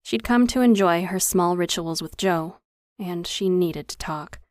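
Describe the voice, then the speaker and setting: A woman reading a novel aloud as an audiobook narrator, measured and even, close to the mic. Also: on the low side, no echo. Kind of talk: scripted narration.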